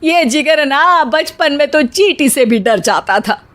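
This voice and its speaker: A woman's voice: sits high, lively intonation, a little slow, fairly bright tone. A woman voicing a bossy, easily frightened middle-aged mother-in-law in a cartoon story, scolding as she talks.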